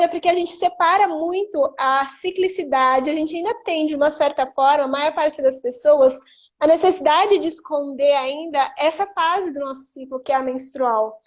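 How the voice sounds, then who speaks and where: High-voiced Brazilian woman hosting a live stream. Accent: Brazilian Portuguese. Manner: reflective, long explanatory sentences. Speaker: host.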